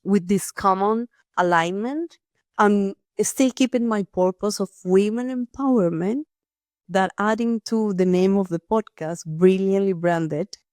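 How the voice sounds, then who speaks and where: A woman's voice: mid-range voice, measured pace, darkish tone, no echo, studio quality. Earnest woman host, nonnative phrasing. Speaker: podcast host, here the guest. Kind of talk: reflective personal storytelling.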